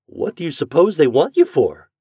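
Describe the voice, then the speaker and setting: A devoted, anxious farm mother from a storybook, as a man puts her on. The voice is lifted and lively with a husky edge, and she talks in a fretful, homespun country way. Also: fairly high pitch, moderate pace, dry recording, studio quality, pitched above the performer's own voice. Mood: anxious, resolute. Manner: rustic folksy speech, fretful.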